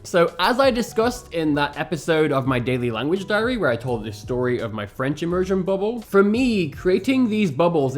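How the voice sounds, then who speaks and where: An earnest man in his thirties speaks straight to the camera from his bedroom, animated and expressive as he gestures with both hands. His voice sits at an ordinary middle pitch for a man. Soft music plays faintly underneath him. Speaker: language learning YouTuber. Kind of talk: casual advice monologue to camera. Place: bedroom at home, indoors.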